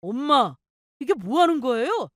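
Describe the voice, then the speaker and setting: Husband role read by a woman narrator, story drama: protective son at his limit, reproachful, raised pitch, animated delivery. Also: measured pace, dry recording, clean studio sound, full character voice. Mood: alarmed. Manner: reproachful, firm, defending his wife. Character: protective adult husband, exasperated with his mother.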